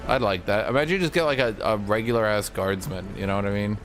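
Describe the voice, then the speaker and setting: A man's voice: on the low side, fast talker, fairly bright tone. A man streaming a game with casual live commentary, griping and swearing in exasperation. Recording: game music behind the voice. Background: video game music.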